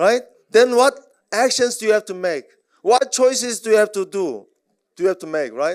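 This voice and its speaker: With a Korean accent, a man speaks in a high pitch at a moderate pace, his tone animated and intonation lively, broken by long, frequent pauses. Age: 30s. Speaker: motivational business speaker. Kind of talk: motivational seminar speech.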